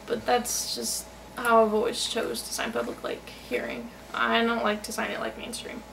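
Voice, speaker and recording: High-voiced woman interpreting, gravelly edge, distant mic. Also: flat delivery, moderate pace. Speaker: sign-to-voice interpreter. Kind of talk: voiced interpretation of a signed personal account. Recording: noisy, distant microphone.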